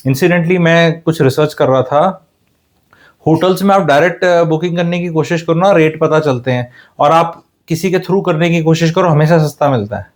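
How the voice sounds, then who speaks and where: A man giving a casual real estate talk, mixing Hindi and English and acting out quotes as he tells stories. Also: a little high.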